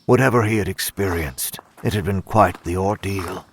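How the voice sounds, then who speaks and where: An actor playing a composed, polite caretaker, narrating a horror audio drama in a grave, measured manner. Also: male voice, low voice, slight background noise. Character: composed, somber male caretaker doing grim duty.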